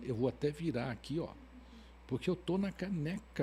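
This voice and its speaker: At a fairly quick pace, a man talks in an ordinary speaking voice with lively intonation. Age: 60s. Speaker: author and speaker. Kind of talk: podcast interview.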